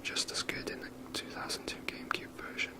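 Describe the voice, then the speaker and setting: Whispering ASMR gamer. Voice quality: soft breathy whisper. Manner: rambling, unhurried, casual, mild swearing. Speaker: video game player and commentator. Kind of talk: whispered ASMR gameplay commentary.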